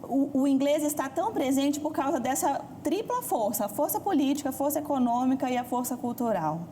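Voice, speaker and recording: A Brazilian woman from Minas Gerais with a mixed Brazilian accent, a language expert guest explaining things in measured, deliberate phrases on a studio talk show. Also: high voice, expressive, dark tone, slight background noise. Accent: mixed Brazilian Portuguese, mineiro base.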